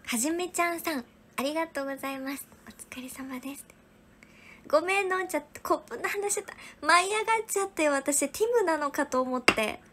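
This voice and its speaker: High-voiced young woman, soft and whispery. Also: lively intonation, a little fast, slight background noise. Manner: soft, often whispery, thanking viewers one by one. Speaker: livestream host. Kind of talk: casual livestream chat reading viewer gifts.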